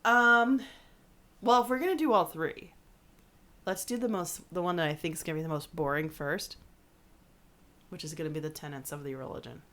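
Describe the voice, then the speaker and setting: A woman's voice: lowish voice, normal speed, long pauses, fairly bright tone. A woman with a stuffy nose from a cold, co-hosting a podcast in casual chat, sarcastic and easily exasperated. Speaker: podcast co-host.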